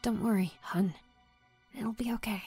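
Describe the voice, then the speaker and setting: An actress playing a caring, confiding female friend in an audio drama, soothing and often hushed. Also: medium pitch, steady tone, a little slow, husky, faint music behind. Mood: reassuring.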